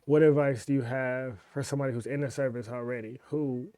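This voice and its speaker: A man's voice: mid-range voice, fairly even intonation, fairly quick, dark tone, no room sound. A man hosting an interview, asking long casual questions with slangy, encouraging reactions. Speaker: podcast host.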